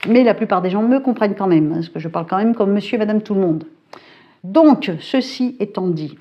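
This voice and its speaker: A middle-aged woman talking casually to camera, colloquial and brisk, with lots of fillers and hesitations. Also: lowish voice, lo-fi sound. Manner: chatty, colloquial, frequent filler tags and hesitations; brisk and self-described hyperactive. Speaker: psychic YouTuber. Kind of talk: casual talking-head chat. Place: home.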